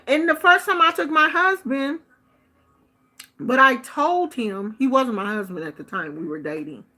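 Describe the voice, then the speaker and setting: A middle-aged woman from the United States telling a casual story in a chatty, expressive way, acting out the people she quotes. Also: fairly high pitch. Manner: chatty, expressive, animated quoting of others. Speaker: vlogger. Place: Bay Area.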